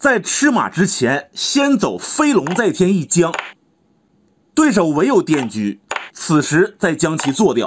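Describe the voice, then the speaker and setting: Very wide pitch swings mark this man's high-pitched, very slow speech in a very clean recording with a silent background. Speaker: chess commentator. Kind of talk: chess game commentary video. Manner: casual, conversational.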